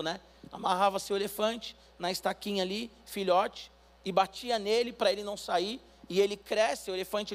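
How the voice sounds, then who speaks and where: Man, Brazilian accent, pastor preaching a sermon, very high voice, emphatic calls to the congregation. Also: a bit bright. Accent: Brazilian Portuguese.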